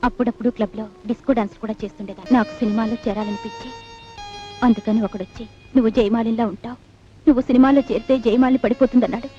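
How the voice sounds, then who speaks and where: An actress playing a wronged young dancer who speaks in impassioned, rhetorical lines. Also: female voice, on the high side, steady tone, very fast, dark tone, natural voice. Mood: pleading. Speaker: dancer held by police. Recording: dull lo-fi film soundtrack with music.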